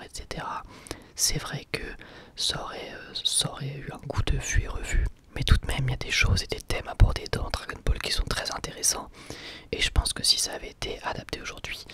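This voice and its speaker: A man hosting an ASMR channel, answering viewer questions in a soft, hesitant whisper with frequent pauses. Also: mid-range voice.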